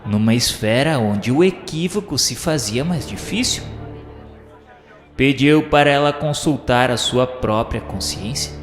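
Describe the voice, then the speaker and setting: An actor playing a solemn male spirit who narrates an audio drama in formal, literary Brazilian Portuguese. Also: medium pitch. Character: solemn male spirit recounting a journey through dark realms. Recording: echoey long reverb, music behind. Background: background music.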